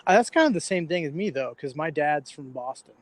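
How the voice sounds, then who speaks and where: A man's voice: a little high, expressive, fairly quick, no echo. A young American man in his twenties from Florida, hosting a casual podcast chat and interviewing a guest. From Florida, United States.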